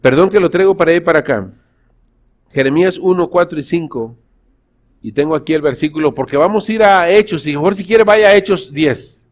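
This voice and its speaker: This man, a pastor giving a church sermon, has a slightly high voice and talks a little fast. He leans on storytelling and calls the people in the pews brothers.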